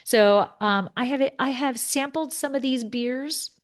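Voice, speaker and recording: A woman with a New Jersey accent hosting a casual podcast chat, reading reviews aloud in a halting way and laughing often. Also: high-pitched. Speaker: podcast host.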